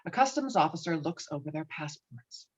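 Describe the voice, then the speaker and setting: A woman's voice: low voice, big pitch swings, normal speed, husky. A woman narrating stage directions from a film script at a virtual table read. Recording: dull, lo-fi video-call audio.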